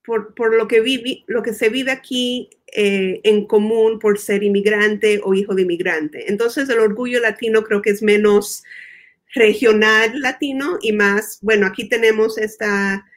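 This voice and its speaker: An unhurried, medium-pitched woman with a steady tone is interviewed as a guest expert in a conversational setting. She lives in the United States, works through her ideas thoughtfully, repeats words while thinking, and drops in English terms.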